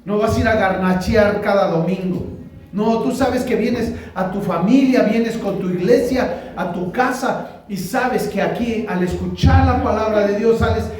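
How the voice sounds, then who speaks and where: An unhurried pastor with a high-pitched, darkish voice and a Mexican Spanish accent preaches conversationally, often asking the congregation questions. The recording comes from far off in a very echoey church hall, with a little noise.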